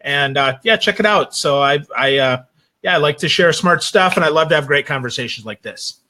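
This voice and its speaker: A man chatting casually as a talk show guest, with blunt, emphatic, animated opinions. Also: on the high side, brisk.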